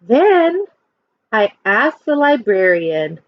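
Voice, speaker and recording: A woman's voice: on the high side, sing-song, extremely slow, no echo, highs cut off. A woman teacher reading a children's picture book aloud expressively, stopping to explain and put questions to young listeners.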